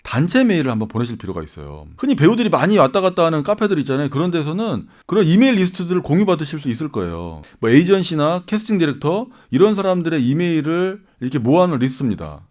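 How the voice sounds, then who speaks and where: A man with a slightly high, darkish-toned voice, an acting coach, gives casual advice to viewers in a YouTube-style talk. He's chatty and often checks in with rhetorical questions to his listeners.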